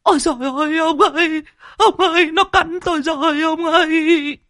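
Old grandmother figure, put on by a man, high-pitched, shrieking, stammering, swooping voice, dry sound. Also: animated, unhurried, slightly rough, no echo. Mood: shrieking panic. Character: panicky old village grandmother.

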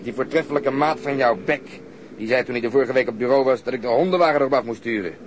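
A man's voice: medium pitch, fast talker, natural voice. An actor as a dry, sardonic policeman, noisy recording. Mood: sardonic, weary. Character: talkative, cynical male policeman, grumbling about the job. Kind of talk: naturalistic radio drama dialogue.

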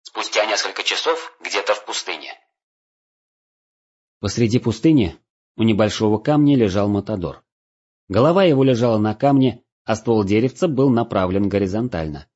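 Husky, lively male audiobook narrator. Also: on the low side, moderate pace. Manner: lively, expressive reading. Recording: dull lo-fi recording.

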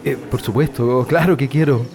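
A man's voice: medium pitch, moderate pace, gravelly, darkish tone, a faint crowd, lightly acted. A man playing an earnest young man in a radio drama who talks hesitantly with many fillers.

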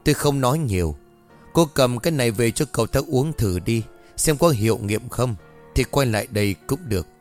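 A man voicing a greedy, gruff male village sorcerer who speaks curtly and haggles dismissively. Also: medium pitch, animated, a little fast, a little mellow, soft background music, lightly acted. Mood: bargaining.

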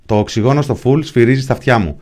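A man's voice: mid-range voice, a little mellow. A man giving a first-person narration of a hospital shift, speaking in short, clipped present-tense fragments.

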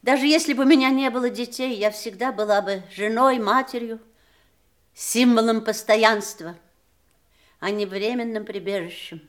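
A woman acts a proud wife in a radio play, her voice on the high side. She is prickly and emphatic, with the pointed delivery of the stage. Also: normal speed, close to an everyday voice. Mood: cutting, righteous. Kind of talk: theatrical audio drama acting.

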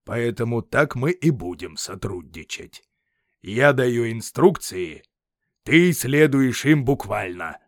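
A man's voice: mid-range voice, lively intonation, slow, no room sound, studio quality. Man reading as a blunt aging Roman general. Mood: scornful. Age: 50s. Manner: blunt, scornful, unbending. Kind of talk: audiobook character reading.

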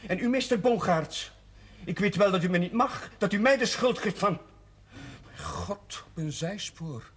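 An actor playing an earnest, overworked Catholic chaplain, defensive and questioning, in a 1970s Dutch television drama. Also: male voice, high-pitched, animated, measured pace, long pauses, husky, exaggerated voice. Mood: hurt, agitated. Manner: agitated, questioning. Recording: noisy 1970s television soundtrack, clicks.

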